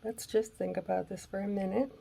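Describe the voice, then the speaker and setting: Raspy-voiced woman chatting through a craft project. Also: mid-range voice, steady tone, fairly quick, dark tone. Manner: chatty, thinking aloud while working, drops to whispers. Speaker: craft channel host. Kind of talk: casual craft tutorial chat. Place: home craft room on a gray day. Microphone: camera mic, moves close and away while working.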